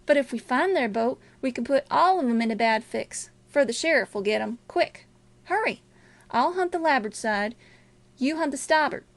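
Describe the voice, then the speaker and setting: Casting: resourceful scared boy female reader, high voice, urgent rustic dialect, storybook adventure. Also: expressive, moderate pace.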